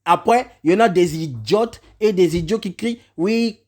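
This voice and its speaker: A man's voice: high-pitched, moderate pace, darkish tone. A man from Congo, delivering a heated, insulting rant to camera and repeating his points. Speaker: vlogger.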